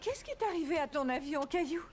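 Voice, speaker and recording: Cartoon mother, high-pitched, gentle, soothing, patient, music behind. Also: lively intonation, fast. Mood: patient, kindly. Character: gentle, reassuring young mother of a small boy. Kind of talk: children's cartoon dialogue.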